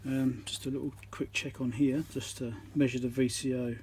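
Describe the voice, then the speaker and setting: Thinking aloud as he fixes electronics, a man delivers an informal, practical repair tutorial in a flat, medium-pitched voice at normal speed. It was recorded on a phone on a tripod, and the background is noisy.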